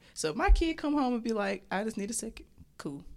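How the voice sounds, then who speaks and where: Speaking at a very fast pace, a woman uses a fairly high voice with vocal fry and very wide pitch swings. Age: 20s. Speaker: podcast co-host. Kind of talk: casual chat.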